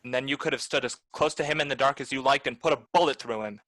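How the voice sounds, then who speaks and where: Man as a tough private eye, cynical, blunt, medium pitch, close dry recording, 1940s radio noir. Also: steady tone, quick pace, fairly bright tone, no echo, close to an everyday voice. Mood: accusing. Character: hard-boiled, cynical male private detective.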